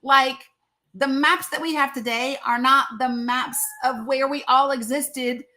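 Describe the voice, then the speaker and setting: A woman host from the South, talking in a quick, rambling way and often restarting her sentences. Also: high voice, fairly even intonation, bright, forceful tone. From Southern United States. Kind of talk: casual chat.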